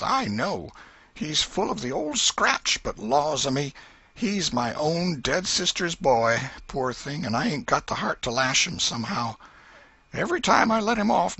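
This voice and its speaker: A man voicing a gravelly, scolding old aunt. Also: fairly high pitch, bright, forceful tone, no echo, voice pushed up, exaggerated voice. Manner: scolding, exclaiming, folksy dialect. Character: fussy, soft-hearted old aunt, scolding.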